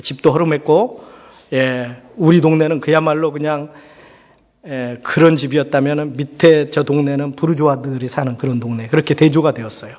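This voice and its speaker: Middle-aged male pastor, higher-pitched voice, conversational storytelling sermon, rhetorical questions, long hall reverb. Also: fairly even intonation, moderate pace, darkish tone. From South Korea. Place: large church hall.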